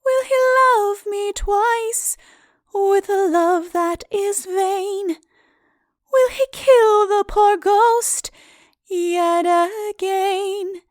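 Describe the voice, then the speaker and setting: A woman's voice: very high-pitched, extremely slow, no echo, clean studio sound, full character voice. A woman playing a bereaved ghost lady in a storybook ballad, singing a plaintive, wailing lament. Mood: grieving, plaintive. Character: weeping ghost lady, bereaved young mother, wan and wistful. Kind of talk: slow sung lament.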